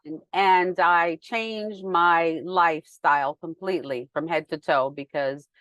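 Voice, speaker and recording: A woman hosting a podcast, chatty and quick to laugh, stumbling over words now and then. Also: lowish voice, fairly bright tone, no room sound, dull audio. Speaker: podcast host. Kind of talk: casual interview talk.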